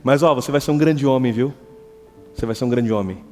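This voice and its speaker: A man voicing a calm, kindly old man who speaks slowly and softly. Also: medium pitch, lightly acted. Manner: slow, gentle, soft. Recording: reverberant church hall, faint guitar.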